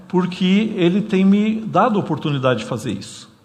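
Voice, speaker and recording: Audible room echo surrounds a man who speaks at a fairly slow pace with lively intonation. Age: 60s. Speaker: preacher. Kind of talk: sermon. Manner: halting, many fillers.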